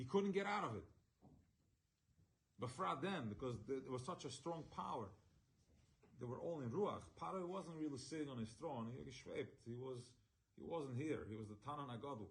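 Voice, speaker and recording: In an American accent, someone speaks with lively intonation and a somewhat breathy voice, leaving long, frequent pauses amid audible room echo. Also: man, medium pitch for a man. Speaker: Torah teacher. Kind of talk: Torah talk to live audience. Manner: fast; animated.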